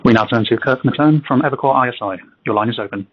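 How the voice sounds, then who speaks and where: A man working as a conference call operator, reading scripted announcements with a husky voice. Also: mid-range voice, quick pace, no echo. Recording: dull, dry conference phone audio.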